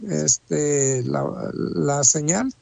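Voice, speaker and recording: A man's voice: on the high side, drawn-out words, vocal fry, darkish tone, no echo. A man hosting a live Christian radio show, greeting listeners with church phrases and frequent fillers. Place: radio studio booth. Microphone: studio microphone, talking over a phone line.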